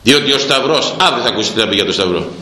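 A man preaching a sermon in a fiery, repetitive way, breaking into sudden loud bursts. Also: lowish voice, animated. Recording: roomy echo.

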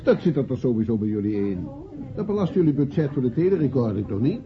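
An actor playing an affable, cost-conscious theater manager in a radio play. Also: male voice, mid-range voice, very animated, fast talker, close to an everyday voice. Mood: bargaining. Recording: muffled radio play, chattering party crowd.

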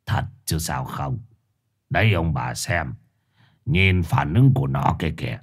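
A man voicing a sly old male shaman who lectures sternly and insists with a husky voice. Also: extremely low pitch, measured pace, pitched below the performer's own voice, full character voice. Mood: stern accusing.

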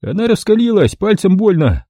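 A male narrator voicing a whiny male thug with a thin, bleating, squeaky voice. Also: big pitch swings, normal speed, warm tone, slightly rough, no echo, studio quality, exaggerated voice. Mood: whining. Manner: whiny, needling.

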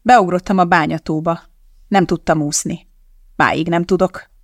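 An audiobook reader gives voice to a grieving woman chemist in a storybook reading, blunt and guarded. The voice is gravelly with some creak. It is pitched mid-range and recorded dry. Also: steady tone, no echo, close to an everyday voice.

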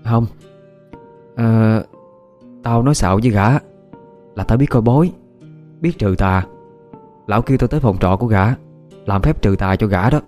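A man's voice: on the low side, normal speed, long pauses, soft background music, close to an everyday voice. A man voicing a stubborn young woman. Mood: earnest. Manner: earnest, pleading, sometimes hushed.

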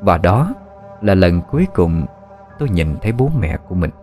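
A man reading a scripted horror story in a steady, somber way. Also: low-pitched, moderate pace, soft background music.

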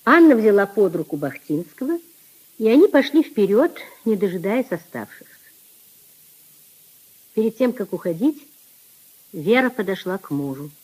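A woman narrating a classic story in measured, lyrical phrasing. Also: medium pitch, big pitch swings, darkish tone, slightly rough, rough recording. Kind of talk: scripted literary narration. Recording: old radio recording with music.

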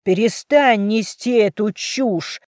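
A woman's voice: mid-range voice, slow pace, darkish tone, no room sound, pitched above the performer's own voice, natural voice. A woman reading the part of a stern, angry middle-aged father who gives harsh commands, in a dry recording. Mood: stern, furious.

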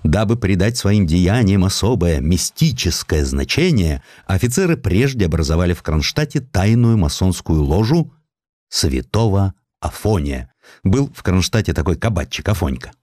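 A man with a deep voice narrates a historical tale. His delivery is theatrical and highly animated, swinging widely in pitch like a storyteller acting out a literary piece. The sound is dry and close, with no room around it. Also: normal speed, dry recording. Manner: expressive, theatrical storytelling with acted quotes. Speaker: narrator, audiobook reader.

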